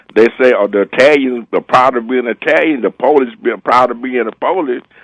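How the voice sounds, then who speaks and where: A man's medium-pitched voice comes through dry and close, with no echo. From Texas. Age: 60s. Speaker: caller. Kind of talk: call-in radio talk. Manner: halting.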